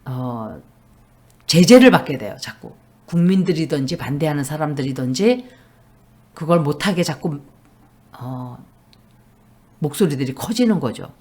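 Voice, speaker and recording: Low-voiced woman reading tarot. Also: expressive, measured pace, pauses often, mellow, breathy edge. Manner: blunt, emphatic predictions. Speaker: tarot reader.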